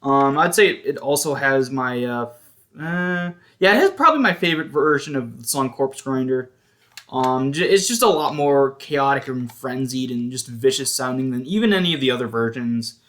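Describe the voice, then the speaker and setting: A man's voice: mid-range voice, lively intonation, fairly bright tone. A man giving a casual, hesitant show-and-tell commentary as a collector, often stopping to correct himself. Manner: halting, hesitant, self-correcting. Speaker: music collector vlogger.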